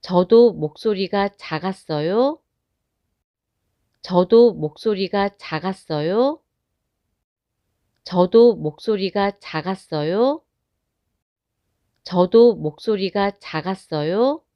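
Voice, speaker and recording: A woman reading short example sentences aloud, slowly and evenly, for language learners. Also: medium pitch, animated, no room sound, muffled recording. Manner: careful, evenly spaced phrase reading. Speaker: Korean phrase reader.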